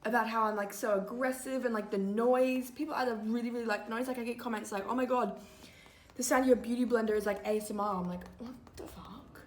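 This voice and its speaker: A young woman in her twenties giving a casual makeup tutorial, chatty and full of "like" fillers, her voice a little hoarse. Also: fairly high pitch, fairly even intonation, fast talker, echoey room, faint music behind. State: slightly hoarse, losing her voice. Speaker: makeup vlogger. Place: small indoor room before a grey backdrop.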